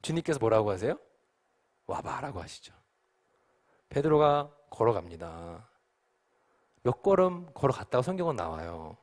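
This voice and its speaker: A man preaching to a youth group as pastor, acting out the disciples' panic in quick, lively asides. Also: medium pitch.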